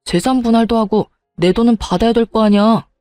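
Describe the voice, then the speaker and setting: A woman's voice: fairly high pitch, steady tone, fairly quick, warm tone, no echo, faint music behind, close to an everyday voice. A woman voicing a hot-headed grown son who whines and blames his mother in a storybook reading. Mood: exasperated. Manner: whiny, exasperated.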